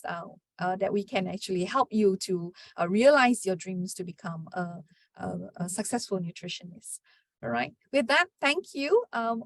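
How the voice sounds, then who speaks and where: A woman wraps up her webinar presentation as a guest speaker. She speaks hesitantly, often pausing and restarting her sentences. Her voice sounds dry and close to the mic. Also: medium pitch, no echo. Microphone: video call.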